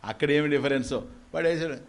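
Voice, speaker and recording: A man delivers a spiritual discourse as a story. His pitch swings widely as he moves through the tale, and he drops English words into his talk. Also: fast. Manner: animated storytelling, voices quoted characters with big pitch swings; mixes English words into speech. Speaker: spiritual teacher.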